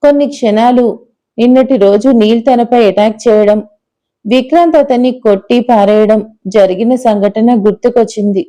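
A woman narrating an audio story with expressive, dramatic delivery. Her voice is a little high-pitched and very warm and mellow. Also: normal speed, low-quality recording. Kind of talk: scripted narration.

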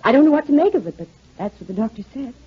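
A composed, genteel widow. Her voice is fairly high and breathy, heard on a muffled old radio drama recording. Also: very animated, racing, heavily acted. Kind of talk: 1940s radio acting.

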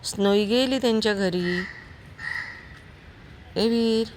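A woman with a hoarse voice from a cold, talking casually while she walks her dog outdoors and fondly scolds it. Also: on the high side, slow pace, noisy background. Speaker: dog owner vlogger. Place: outdoors in a housing society.

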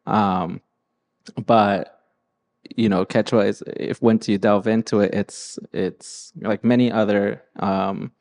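Low-voiced young man, easygoing talk. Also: takes it slowly, gravelly. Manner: relaxed, heavy use of "like" and "um". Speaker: guest speaker. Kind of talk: casual panel talk. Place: large hall with a stage. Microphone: handheld mic.

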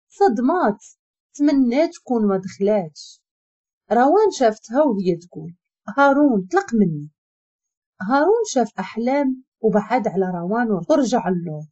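A woman with a Moroccan accent narrating a scripted story in an expressive, animated way. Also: a little high, slightly rough. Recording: dull lo-fi recording.

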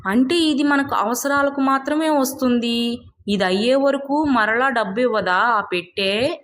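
A woman's voice: on the high side, measured pace, fairly bright tone, voice pushed up. A woman voicing a grudging village wife who wants luxury in a moral tale, pointed and complaining. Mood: questioning.

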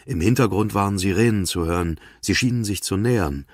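A man's voice: on the low side, a little fast, dry recording, clean studio sound. A man narrating a thriller audiobook in terse, tense scripted prose.

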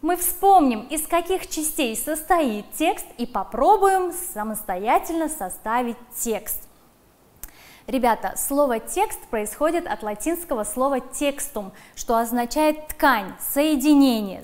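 Lively high-voiced woman teaching children. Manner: slow, emphatic dictation of words; addresses children directly. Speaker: primary school teacher. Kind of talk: televised classroom lesson.

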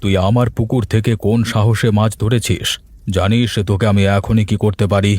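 A man's voice: fairly low pitch, level tone, a little fast, darkish tone, lightly acted. A man playing a commanding village headman. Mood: stern. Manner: commanding, threatening. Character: domineering middle-aged village headman. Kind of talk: cartoon voice acting. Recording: faint music behind.

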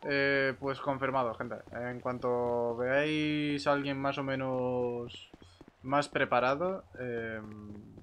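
A man's voice: mid-range voice, steady tone, takes it slowly, a bit bright. A man from Spain with a Spanish accent chatting casually and colloquially during an in-game roleplay. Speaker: roleplay gamer. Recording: game voice chat with clear noise.

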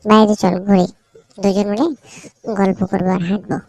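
Casting: woman playing a bossy, caring cartoon pal who teases and nudges; gravelly mellow tone, medium pitch. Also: flat delivery, normal speed, no echo, close to an everyday voice. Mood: friendly. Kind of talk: cartoon dialogue.

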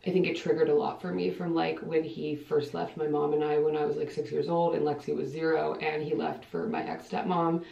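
A woman's voice: sits low, level tone, brisk, gravelly, few pauses, warm tone. Chatty twenties woman in an echoey bathroom. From Ohio, United States. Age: 20s. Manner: chatty and rambling, frequent filler "like". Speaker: vlogger. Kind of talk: casual vlog chat to camera. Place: small bathroom, indoors. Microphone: camera mic a few feet away. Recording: echoey bathroom, distant dull camera audio.

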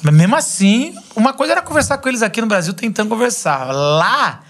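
A man in his thirties from Brazil, hosting a podcast in a small studio at a boom mic, chatting casually and gesturing as he tells stories. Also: a little fast. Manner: animated, gesturing storyteller. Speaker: podcast host. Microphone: boom mic on desk arm.

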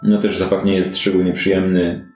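Male game master, deeper voice, conversational descriptive narration over music. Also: little pitch movement, normal speed, darkish tone. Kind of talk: improvised tabletop game narration. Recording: roomy echo, faint music.

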